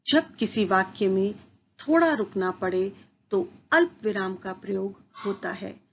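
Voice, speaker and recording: A woman teacher giving a slow, careful, scripted school lesson. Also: mid-range voice, expressive, creaky, husky, highs cut off. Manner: slow, careful, deliberate delivery.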